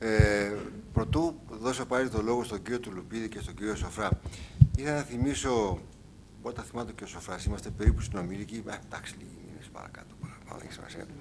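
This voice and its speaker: Pitch varies in an ordinary way as the man moves at a fairly quick pace through loud background noise. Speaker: moderator. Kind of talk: panel discussion. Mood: calm, reflective. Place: hall. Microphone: podium.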